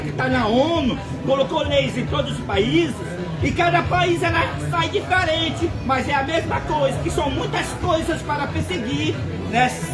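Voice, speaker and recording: A man with a Brazilian accent preaching an impassioned end-times sermon, often shouting and repeating words for emphasis. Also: very high-pitched. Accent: Brazilian Portuguese. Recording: loud music and crowd noise behind.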